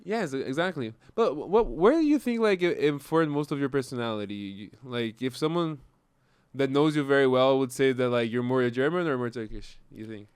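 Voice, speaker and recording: Fast, eager Brazilian podcast host, a man. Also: medium pitch, expressive, clean tone, no room sound. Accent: Brazilian Portuguese. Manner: enthusiastic, rambling questions with many likes and restarts. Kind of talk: podcast interview.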